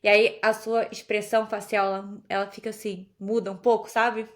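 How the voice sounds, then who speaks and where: A woman's voice: medium pitch, little pitch movement, brisk. A young woman from Brazil chatting casually as a podcast guest, telling stories and laughing often. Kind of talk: casual conversation.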